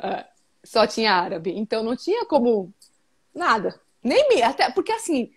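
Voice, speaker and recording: A woman's voice: a little high, sing-song, moderate pace, breathy edge. A woman from Brazil in her thirties, talking casually and emphatically as an interview guest over a video call. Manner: chatty, emphatic, many fillers.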